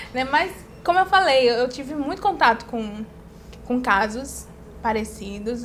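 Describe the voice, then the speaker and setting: A woman's fairly high voice at a fairly slow pace, with audible room echo. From Brazil, Ceará (Cariri, Juazeiro do Norte). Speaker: novelist. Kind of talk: interview.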